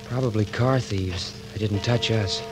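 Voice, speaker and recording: A man playing a steady protective young man. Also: lowish voice, measured pace, over music, lightly acted, rough recording. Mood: tense. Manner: steady, reassuring, tense. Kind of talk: 1940s radio acting.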